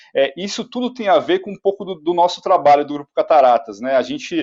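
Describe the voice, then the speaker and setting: Speaking at a fairly quick pace, a man with a São Paulo accent uses lively intonation. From São Paulo city, Brazil. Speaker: conservation park management representative. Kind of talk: panel discussion.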